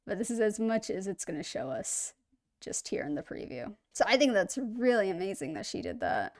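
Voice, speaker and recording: Chatty woman reacting to clips. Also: on the high side. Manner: chatty, rambling, upbeat, self-deprecating. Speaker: reaction video host. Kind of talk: casual reaction commentary.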